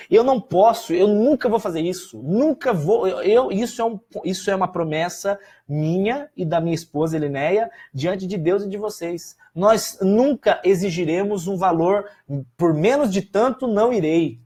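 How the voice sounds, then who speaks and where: A man's voice: sits high, breathy edge. A man, a pastor with a Brazilian Portuguese accent, talking casually and emphatically to his viewers. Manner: animated, emphatic, scolding.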